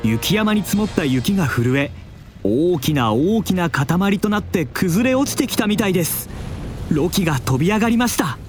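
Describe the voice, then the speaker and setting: A man tells a children's adventure story with expressive, dramatic pacing. His voice sits a little high and moves up and down a lot, over soft background music. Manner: expressive, drawn-out dramatic telling. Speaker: narrator.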